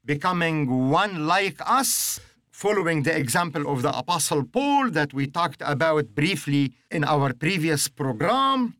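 A man's voice: on the high side, sharp tone, dry recording, studio quality. Earnest male radio preacher. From Egypt. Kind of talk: religious radio teaching program.

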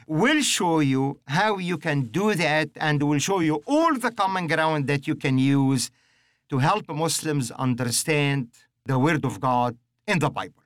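A middle-aged man speaks on a religious teaching broadcast, earnest and emphatic like a preacher. His voice sits a little high for a man. The sound is close and dry, with no room around it. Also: animated, measured pace, a bit bright, dry recording. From Egypt. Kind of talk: religious radio teaching program.

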